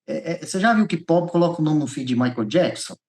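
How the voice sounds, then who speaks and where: Speaking quickly in a slightly high voice, this Brazilian man from Goiás tells his own story on a podcast where he's a guest. He brings it to life by performing the dialogue and circling back on the same phrases.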